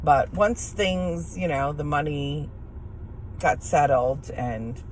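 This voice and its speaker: A middle-aged woman with a hoarse voice, chatting frankly and rambling while she drives, easily irritated by other drivers. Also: sits low, slow pace, a little mellow, low-quality recording. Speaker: vlogger. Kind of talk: casual chat while driving. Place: in a car while driving. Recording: car road noise behind.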